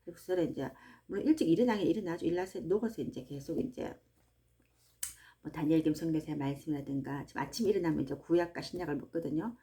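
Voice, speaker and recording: A woman, hosting a book-reading channel and talking in a chatty, animated way about faith and daily life, speaking straight to her listeners from a small farm hut. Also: low voice, quick pace. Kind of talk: casual devotional talk to listeners.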